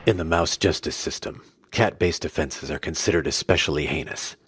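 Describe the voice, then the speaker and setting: A stern, deep cartoon judge. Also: male voice, normal speed, a bit bright, husky, dry recording, studio quality, full character voice. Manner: grave, formal. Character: stern deep-voiced courtroom judge and narrator. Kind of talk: cartoon voice acting.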